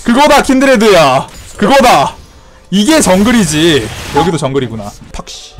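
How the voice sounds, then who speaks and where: This high-voiced male streamer narrates his gameplay live, bursting into shouted sound effects between unhurried comments and trash-talking in a playful, excitable way. Game music runs in the background.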